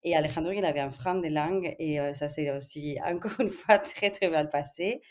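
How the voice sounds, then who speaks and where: Woman in her 30s, really low voice, lots of euh and restarts, podcast guest. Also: moderate pace. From Spain. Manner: hesitant, many filler sounds and restarts. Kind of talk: casual conversational interview.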